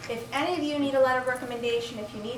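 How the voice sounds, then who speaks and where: A woman's high voice in a New York accent, fairly even in intonation, with audible room echo and noticeable background noise. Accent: New York City English. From Astoria, Queens, New York. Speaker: state legislator. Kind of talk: speech to students.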